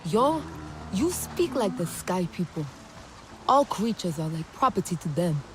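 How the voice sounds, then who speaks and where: A woman's voice: on the low side, sing-song, measured pace, music in the background. An actress voicing a proud, blunt tribal horsewoman in a video game.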